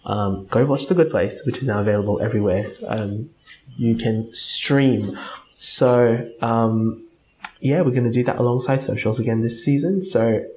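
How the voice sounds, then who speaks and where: A man's voice: mid-range voice, normal speed, darkish tone, rough recording. A man co-hosting a podcast in casual chat, hesitant and full of fillers as he steers the segment. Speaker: podcast co-host.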